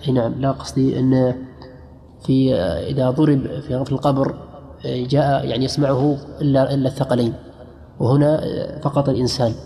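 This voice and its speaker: Man reading in a flat monotone. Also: medium pitch, fast, creaky. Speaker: student reader. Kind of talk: reading texts aloud in a lesson. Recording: dull lo-fi recording in an echoey hall.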